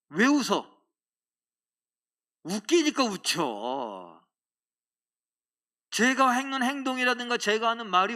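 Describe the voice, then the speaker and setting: A middle-aged male pastor giving a lively sermon in a church, acting out little scenes and joking with the congregation. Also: high voice. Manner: animated, acts out voices and jokes with the congregation. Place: church sanctuary.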